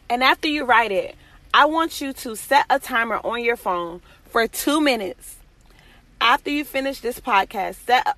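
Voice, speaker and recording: A woman's voice: on the high side, a bit bright, dry recording. A woman hosting a podcast, giving an emphatic, exhorting motivational faith talk and repeating phrases for emphasis.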